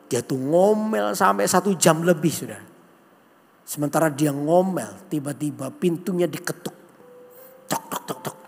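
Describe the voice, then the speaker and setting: A man preaches in a large church. His voice sits high with a gravelly edge, and it rings with long hall reverb. He tells stories animatedly, acting out the characters and calling out to the congregation. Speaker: pastor. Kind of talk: sermon with acted-out story.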